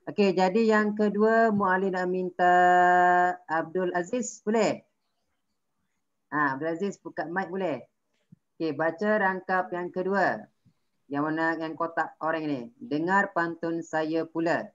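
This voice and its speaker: A woman's voice: fairly low pitch, unhurried, long pauses, dull audio. A woman with a Malaysian accent teaching young pupils in an online class, patiently prompting and correcting them as they read aloud. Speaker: primary school teacher.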